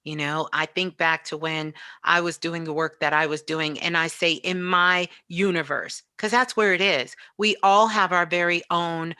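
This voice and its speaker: A woman's voice: fairly low pitch, fairly even intonation, moderate pace, hardly any pauses, sharp tone, clean tone, no echo, studio quality. A woman speaking reflectively and conversationally as an interview guest and spiritual teacher, often checking in with the listener. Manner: frequently checks in with "you know".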